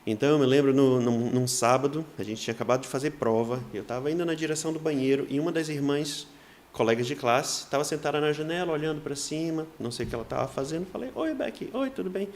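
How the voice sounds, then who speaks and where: A man's voice: medium pitch, fast, slight background noise. A man, a missionary guest, telling a personal faith story in an earnest way, acting out what people said to him. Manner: earnest, acts out quoted dialogue in lively voices.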